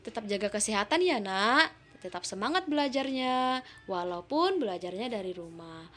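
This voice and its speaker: Animated woman teacher coaxing young pupils. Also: mid-range voice, moderate pace. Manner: animated, coaxing, calls the children "Nak". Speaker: Arabic teacher for primary pupils. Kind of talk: recorded online lesson.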